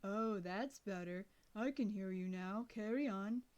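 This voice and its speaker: A woman voicing a deaf elderly man who speaks slowly and wheezes, lower than her usual voice. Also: a little mellow, dull audio, lightly acted. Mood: nostalgic. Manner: slow, low and wheezy. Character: elderly male, wheezing, slow, deaf, turns hostile.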